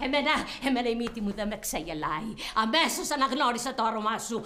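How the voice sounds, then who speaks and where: A domineering older mother who scolds in a high, shrill voice. Her pitch leaps and swoops as she mocks and insults. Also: big pitch swings, pushed and bright, faint music behind. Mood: scornful. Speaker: mother-in-law. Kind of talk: television comedy acting.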